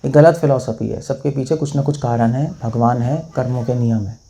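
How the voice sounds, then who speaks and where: A man's voice: medium pitch, moderate pace, gravelly, warm tone, a little hiss or hum. A middle-aged monk giving a storytelling sermon in Hindi, mixing in English words and acting out the people in his stories. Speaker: monk and spiritual teacher.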